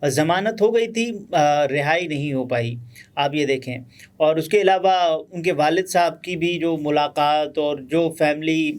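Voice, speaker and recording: A man with a Pakistani Urdu accent giving conversational political news commentary, pausing often with fillers. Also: a little high. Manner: conversational, many pauses and fillers.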